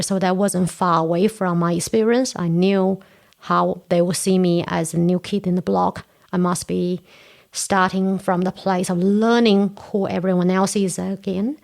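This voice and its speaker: In a casual interview, a Toastmasters area director in her forties, a Korean-speaking woman from China, earnestly explains things step by step as a podcast guest. Her medium-pitched voice is steady and a little mellow, with vocal fry, at a moderate pace.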